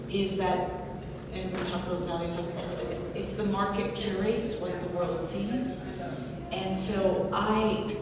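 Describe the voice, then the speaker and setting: A woman from Palestine, a playwright on a panel, talking earnestly and reflectively, thinking aloud with restarts. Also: mid-range voice. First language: Arabic. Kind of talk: panel discussion. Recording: echoey hall, distant mic, background noise.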